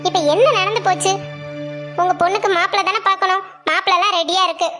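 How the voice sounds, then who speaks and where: Woman voicing a sharp-tongued practical wife. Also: very high-pitched, fairly even intonation, fast talker. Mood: coaxing. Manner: coaxing then teasing. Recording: soft music underneath.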